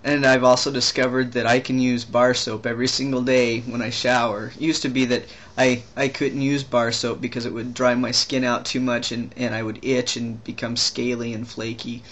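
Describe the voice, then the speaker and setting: A young trans man talking casually in a video diary, rambling and halting with many restarts and fillers. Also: mid-range voice, level tone, fairly bright tone. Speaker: vlogger.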